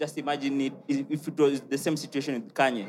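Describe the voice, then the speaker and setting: Noticeable background noise behind a man speaking at a moderate pace in a fairly high voice. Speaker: audience member. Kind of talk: audience question. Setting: stage with audience.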